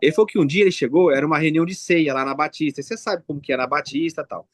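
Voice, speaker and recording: A man with a fairly high voice tells a story at length, as a pastor in a Bible study group. He rambles and stops to search for names. The sound is dry and close. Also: rapid-fire, no room sound.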